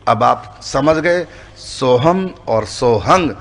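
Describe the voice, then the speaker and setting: A man's voice: mid-range voice, expressive, very slow, vocal fry, fairly bright tone. A man giving a devotional discourse, patiently explaining points of grammar and pronunciation, often posing questions and answering them himself. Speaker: spiritual teacher.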